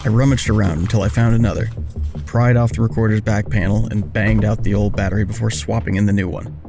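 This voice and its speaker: A man's voice: fairly low pitch, fairly even intonation, fast talker, vocal fry, music in the background. A man narrating a dramatic first-person story in a wry, confessional way.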